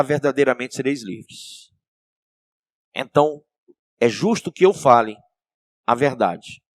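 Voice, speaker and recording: A male pastor with a Brazilian accent preaching a sermon, asking the congregation questions and swinging between soft and loud. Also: medium pitch, dry recording, clean studio sound. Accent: Brazilian Portuguese.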